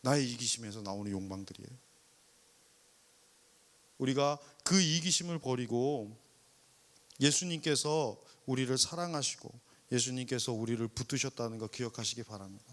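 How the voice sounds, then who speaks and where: A male pastor preaching to a young adults service, animated, firing rhetorical questions and acting out people's complaints and prayers. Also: medium pitch, normal speed, long pauses. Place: church worship service.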